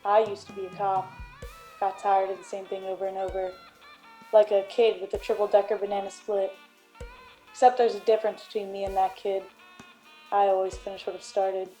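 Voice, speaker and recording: A brooding, self-important private eye played by a woman narrates a noir radio drama in deadpan style. The voice is soft-edged and stays on a narrow, level line, with light music behind it. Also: mid-range voice, a little fast, long pauses, natural voice. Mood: brooding, self-assured. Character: hard-boiled, self-important private detective, former cop.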